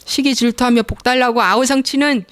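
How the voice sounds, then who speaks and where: A woman's voice: on the high side, a little fast. A woman pastor preaching a sermon, acting out prayers and complaints and asking the congregation rhetorical questions. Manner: animated, acts out quoted prayers and complaints; drops to hushed whispers at times.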